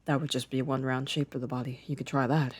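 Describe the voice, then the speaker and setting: A young man playing a gentle, shy, affectionate boyfriend in an ASMR roleplay, speaking softly and hesitantly with careful phrasing. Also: medium pitch, flat delivery, quick pace, breathy edge, dry recording, natural voice. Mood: shy, fond.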